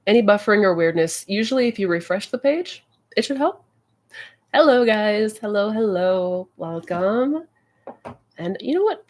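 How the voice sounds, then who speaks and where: Here a woman's mid-range voice has a darkish tone as she chats casually while hosting a coaching Q&A livestream. A cold leaves her slightly stuffy and nasal, and she comes across as warm and chatty, using lots of filler words.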